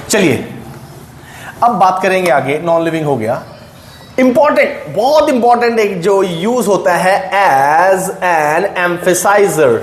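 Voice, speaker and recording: An Indian-accented man teaches a grammar lesson from the front of a classroom, explaining step by step and often checking that students follow. The room echoes around him, with a faint hum of noise underneath. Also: high-pitched. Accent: Indian English. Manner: explains slowly, checks in with "right?" and "है ना". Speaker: English teacher. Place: classroom with a whiteboard.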